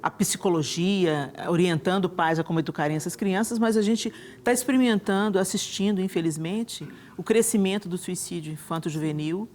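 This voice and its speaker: A woman's voice: on the low side, moderate pace, few pauses, darkish tone. A woman hosting a TV talk show from a studio, speaking enthusiastically with frequent restarts and tag questions. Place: television studio.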